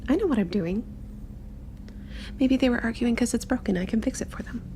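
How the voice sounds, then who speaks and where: A woman playing a curious, confident young tinkerer in a tabletop game, chatting breezily in halting improvised phrases. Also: fairly high pitch, expressive, warm tone, slight background noise, close to an everyday voice. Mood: breezy, confident. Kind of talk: improvised tabletop roleplay, casual.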